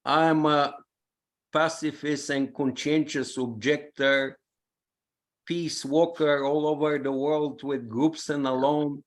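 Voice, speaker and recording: An older man with a Bulgarian accent making a halting, emphatic comment from the audience at a public talk. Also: on the high side, level tone. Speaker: audience member, peace activist.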